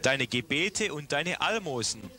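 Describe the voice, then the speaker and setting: A man interpreting a sermon phrase by phrase, speaking in quick bursts with frequent restarts. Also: on the high side, very animated, sharp tone.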